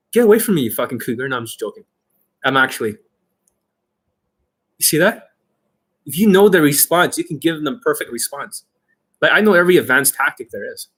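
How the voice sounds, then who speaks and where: Brash, husky higher-pitched man coaching. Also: fairly bright tone. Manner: brash, boastful, heavy swearing; acts out mock exchanges, emphatic. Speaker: dating coach and host. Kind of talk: informal coaching monologue to online viewers.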